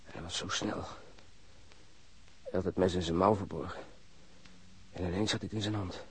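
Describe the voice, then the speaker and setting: Husky, wounded policeman. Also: deep voice, steady tone, poor audio. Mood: pained, indignant. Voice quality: husky, breathy. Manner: halting, broken phrases, straining. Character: wounded policeman recounting being stabbed, shaken but admiring. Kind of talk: radio drama acting.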